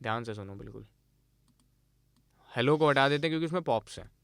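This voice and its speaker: Male instructor, smooth clear voice, dry close sound, questioning students through a lesson. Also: medium pitch, expressive, fast talker, no echo. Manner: questions students, explains with hands-on comparisons. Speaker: audio teacher.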